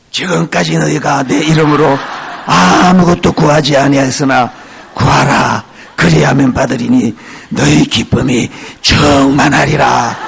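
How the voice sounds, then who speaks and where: Doing a put-on character voice, a man speaks at a moderate pace and medium pitch, sounding hoarse and strained. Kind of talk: sermon-like, solemn.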